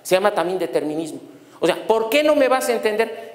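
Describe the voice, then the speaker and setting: Man lecturing, lively rising and falling voice, rhetorical questions, roomy hall with long reverb. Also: sits high, fairly quick. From Mexico. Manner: animated, asks the audience rhetorical questions. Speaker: law lecturer. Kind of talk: university lecture on human rights.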